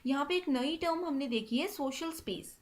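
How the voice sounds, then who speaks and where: Walking through exam questions in an exam-prep lesson, this woman speaks at normal speed in a high-pitched voice over slight background noise. She blends English terms into her Hindi and asks "theek hai" after every point.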